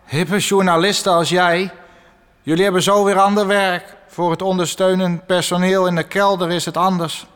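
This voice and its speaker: A man's voice: high voice, little pitch movement, moderate pace, fairly bright tone, clear, resonant tone. An actor playing a gloomy, self-pitying man who sells ads from a newspaper's basement, speaking in a mournful, passive-aggressive way. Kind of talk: radio comedy acting. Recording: long reverb.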